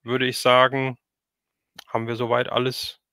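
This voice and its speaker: A man with a bright, forward voice at a middle pitch, recorded very dry. He hosts a livestream in a casual chatting style, putting questions informally with little asides. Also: monotone, normal speed, clear, resonant tone, no echo. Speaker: livestream host, interviewer. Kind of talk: casual livestream interview chat.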